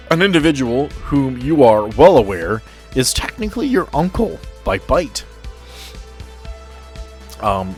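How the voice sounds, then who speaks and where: A man narrating as game master on a tabletop roleplay podcast, talking conversationally and addressing his players directly. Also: medium pitch.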